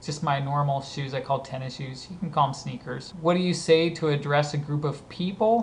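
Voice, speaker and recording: With a Southern California accent, a man of fairly high pitch and ordinary pitch variation talks at a moderate pace with hardly any pauses, amid audible room echo and noticeable background noise. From US, Southern California (Orange County, San Diego). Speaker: video blogger. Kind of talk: accent tag word reading and casual explanation.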